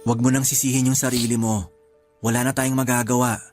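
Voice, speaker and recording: An actor playing a calm young man who can see lost spirits, speaking in a steady, reassuring way. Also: mid-range voice, fairly quick, close to an everyday voice. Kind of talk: radio drama acting. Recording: soft music underneath.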